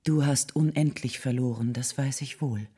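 A woman's voice: extremely low pitch, moderate pace, warm tone, husky. An actress playing a grief-stricken 19th-century mother, reading her letter to a bereaved friend in an intimate, mournful way. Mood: mournful, self-reproachful.

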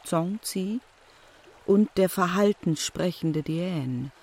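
Solemn storyteller for a radio play: high voice, very deliberate, recitative delivery. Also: male voice, creaky, a little mellow, heavily acted. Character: solemn narrator of an ancient Chinese tale. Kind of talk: poetic scripted narration.

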